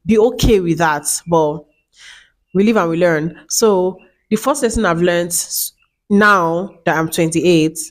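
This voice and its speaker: A woman's voice: lowish voice, measured pace. A woman in her late twenties talking casually to camera as a vlogger, chatty and repeating herself, with many fillers. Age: 20s.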